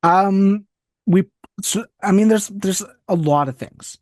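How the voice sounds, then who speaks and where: A man's voice: sits high, slow, a little mellow, no echo. A man from Canada, a guest chatting casually in an interview, rambling and often restarting as he goes on tangents. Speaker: guest, wrestling site writer.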